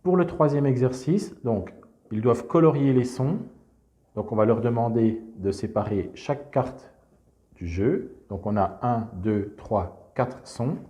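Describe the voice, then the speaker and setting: A man calmly walking teachers through a classroom exercise, explaining step by step with frequent verbal fillers. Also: mid-range voice, measured pace, muffled recording. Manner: calm explanatory, frequent "donc" and "hein". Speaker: teacher presenting a reading method. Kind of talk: instructional screencast walkthrough.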